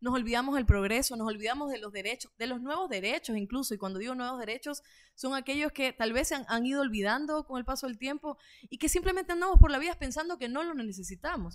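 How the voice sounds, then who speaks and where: Very fast delivery with lively intonation and big swings in loudness in a very clean recording with a silent background. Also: woman, high pitch for a woman. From foreign-born, raised in Ecuador from age 13. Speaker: social communicator, actress and singer. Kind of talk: casual interview conversation.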